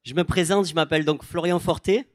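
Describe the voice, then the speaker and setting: A young man from the south of France with a southern French accent, preaching a sermon and telling stories with lively quoted voices. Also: a little high, fairly quick, no room sound, clean studio sound. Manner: animated storytelling, quoting people in changed voices.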